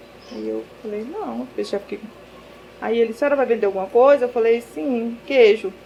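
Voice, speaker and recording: At a moderate pace, a woman with a fairly high pitch and ordinary pitch variation speaks with big swings in loudness. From Rondônia, Brazil. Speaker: cheese maker. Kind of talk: interview testimony.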